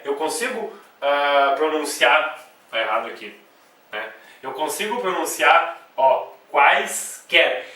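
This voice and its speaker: A man's voice: a little high, bright, forceful tone, recorded from a distance. Brazilian man teaching in an echoey room. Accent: Brazilian Portuguese. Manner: explains step by step with frequent checks like "né?" and "tá?"; spells out sounds and syllables slowly. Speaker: grammar teacher. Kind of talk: video lesson at a whiteboard. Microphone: camcorder mic away from the speaker.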